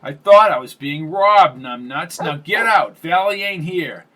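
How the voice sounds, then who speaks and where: A man's voice: a little high, expressive, unhurried, bright, forceful tone, slight background noise, voice pushed up. A man doing a brash, cursing landlady. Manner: brash, gossipy, curses freely. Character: blunt, foul-mouthed older landlady.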